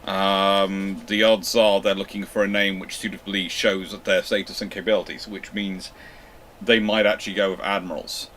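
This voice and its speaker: With a deep, level voice that's a bit bright, a man hosting a naval history channel's live Q&A reads out viewer questions and improvises answers at a moderate pace. He hesitates often, filling gaps with ums and restarting sentences. Slight background noise can be heard.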